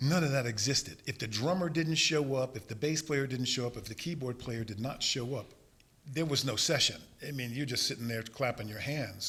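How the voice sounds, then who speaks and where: This man has a New York accent. He talks at a moderate pace. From New York (Yonkers). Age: 60s. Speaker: musician and record producer. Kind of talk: interview.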